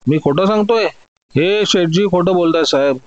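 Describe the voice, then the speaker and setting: A man's voice: a little high, lively intonation, brisk, highs cut off, voice pushed up, close to an everyday voice. A man voicing a brash young male diamond broker who lies and flares up defensively. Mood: angry. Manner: loud, defensive outbursts.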